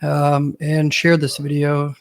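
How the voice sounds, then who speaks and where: Hoarse man hosting a casual explainer. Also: a little high, monotone, takes it slowly. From Ohio, US. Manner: casual, with many ums and uhs. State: hoarse, coming down with a cold. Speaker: host.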